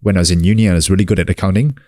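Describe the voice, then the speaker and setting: A man in his thirties from New Zealand, a guest in a relaxed interview, talking loosely with many fillers and restarts. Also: low voice, racing, dry recording, studio quality. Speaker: guest, actor and coach. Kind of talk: casual sit-down interview.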